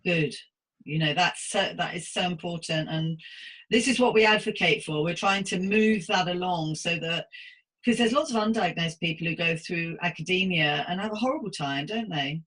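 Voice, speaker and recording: A woman's voice: on the low side, normal speed, fairly bright tone, low-quality recording. A woman hosting a conversational podcast interview in an earnest, empathetic manner. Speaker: podcast host interviewing a guest.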